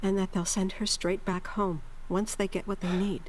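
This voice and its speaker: An actress playing a worried, protective mother in a video game, gentle but firm and earnest. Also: mid-range voice, flat delivery, normal speed, a little hiss or hum, natural voice. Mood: resigned.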